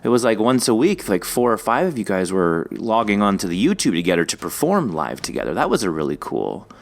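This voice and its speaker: Lively low-voiced man hosting a podcast. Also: brisk, gravelly. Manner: enthusiastic, informal, swears casually. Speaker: podcast host interviewing a guest. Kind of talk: casual, joking interview chat.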